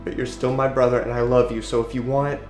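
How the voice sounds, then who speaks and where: A man's voice: mid-range voice, little pitch movement, quick pace, a little mellow, lightly acted. An actor playing a hurt, skeptical young gay man in a short film drama. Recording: film audio with music underneath.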